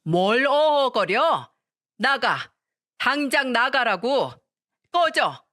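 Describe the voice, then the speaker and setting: A woman's voice: mid-range voice, unhurried, a bit bright, lightly acted. A woman voicing a stern, protective older mother who talks firmly and scolds. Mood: shouting. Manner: firm, scolding.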